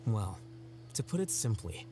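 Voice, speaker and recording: An actor playing a composed, scholarly man in a video game, speaking in a measured, formal, matter-of-fact way. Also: fairly low pitch, sing-song, warm tone. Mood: explaining. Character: composed scholarly young man, coolly analytical and dry. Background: game music.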